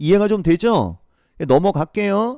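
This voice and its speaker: A loud, high-pitched male voice with a dark, mellow tone, dry and close with no echo. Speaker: stock market lecturer. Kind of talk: stock trading lecture.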